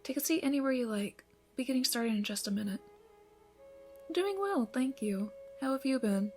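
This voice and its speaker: A woman playing a gentle, encouraging yoga instructor in an ASMR roleplay, giving soothing, breathy instructions that often soften toward a whisper. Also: high voice, animated, normal speed, faint music behind. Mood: friendly, welcoming. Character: gentle, encouraging female yoga instructor leading a morning class.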